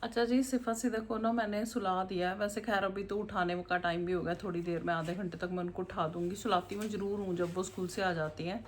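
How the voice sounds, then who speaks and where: A woman's voice: mid-range voice, fairly even intonation, fairly quick, hardly any pauses, a little hiss or hum. A woman, chatting casually and rambling as she cooks in her home kitchen, laughing often. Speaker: vlogger, mother. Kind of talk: casual home vlog chat.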